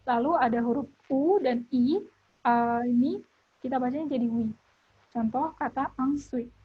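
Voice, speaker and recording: A woman tutor explains French pronunciation in a slightly high, husky voice, stopping often to fill gaps with hesitant sounds. The audio is dull and lo-fi, as if from a video call. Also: moderate pace. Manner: hesitant, many filler sounds. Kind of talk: online lesson.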